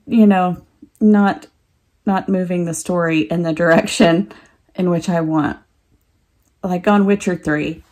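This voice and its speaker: A woman with a fairly low pitch and ordinary pitch variation speaks with long, frequent pauses. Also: fairly slow pace. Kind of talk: casual talk to camera.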